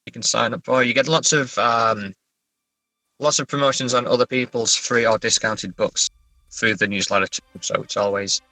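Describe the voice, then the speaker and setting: A man's voice: medium pitch, sharp tone, dry recording, poor audio. A man talking casually as a guest author in an interview, chatty and self-deprecating.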